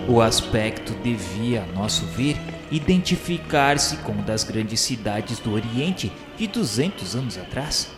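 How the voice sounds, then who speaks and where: A man's voice: mid-range voice, very animated, measured pace, few pauses. A man with a Brazilian accent reading a scripted dramatic narration in a solemn, formal, literary manner. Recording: reverberant hall effect, music behind. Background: music.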